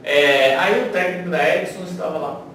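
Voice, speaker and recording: A man's voice: fairly high pitch, moderate pace, fairly bright tone. Man, São Paulo accent, middle-aged, conversational storyteller, heavy echo, background noise. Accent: São Paulo Brazilian Portuguese. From São Paulo, Brazil. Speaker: interview guest. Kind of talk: conversational career reminiscence. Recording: very echoey, noisy room, distant microphone.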